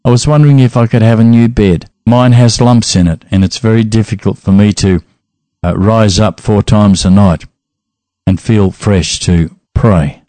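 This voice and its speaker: A man's voice: fairly low pitch, mellow, no echo, close to an everyday voice. A man doing a meek, stammering monk. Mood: timid. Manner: hesitant, slow and pleading. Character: meek, timid male monk, complaining.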